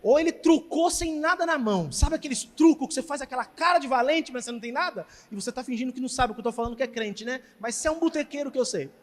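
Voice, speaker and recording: A man preaching as pastor, telling a testimony with animated storytelling and emphatic exhortation. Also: very high voice, racing, hardly any pauses. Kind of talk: sermon with testimony. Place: church hall. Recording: church hall reverb.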